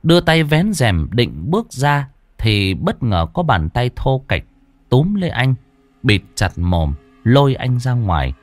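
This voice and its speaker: A man's voice: mid-range voice, very animated, measured pace, no room sound. A man narrating a ghost story in a dramatic storytelling manner. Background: faint background music.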